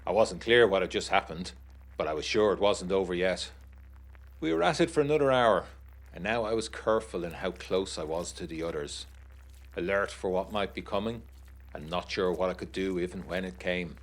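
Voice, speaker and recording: A man giving measured, brooding, literary first-person narration for a historical audio drama. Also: sits low, animated.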